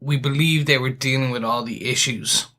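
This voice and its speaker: A man with a bright, forceful voice co-hosts a casual podcast review. He speaks earnestly and keeps restarting his sentences. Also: medium pitch, fairly even intonation, normal speed. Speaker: podcast co-host.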